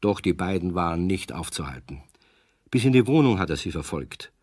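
A man narrating a children's audio story, conversational and animated, as if talking to young listeners. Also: deep voice, brisk, slightly rough, no echo. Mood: storytelling. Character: chatty male storyteller addressing young listeners.

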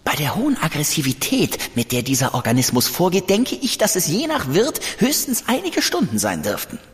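An actor playing a precise, learned doctor in an audio drama. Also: male voice, a little high, huge pitch swings, brisk, in a large hall. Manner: precise, scholarly. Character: earnest, learned doctor examining corpses.

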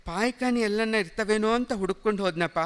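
A man's voice: high voice, fast talker, smooth, pitched above the performer's own voice. A man voicing a weary, plaintive old village mother in a story reading. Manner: plaintive, soft-spoken. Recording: long hall reverb.

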